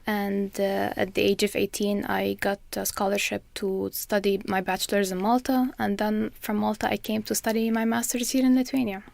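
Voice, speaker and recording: A woman in her twenties from Lebanon, talking as a podcast guest in a measured way with many pauses and fillers. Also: mid-range voice, little pitch movement, gravelly, darkish tone, dry recording. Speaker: guest, master's student. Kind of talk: conversational interview.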